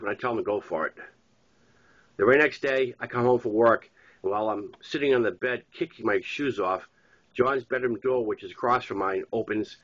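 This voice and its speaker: A man's voice: medium pitch, fairly bright tone. A man with a Boston accent and a stuffy head-cold voice reads his own novel aloud in an informal storytelling way. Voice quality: congested, stuffy nose. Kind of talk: narrated memoir-style audiobook reading. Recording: dull lo-fi recording.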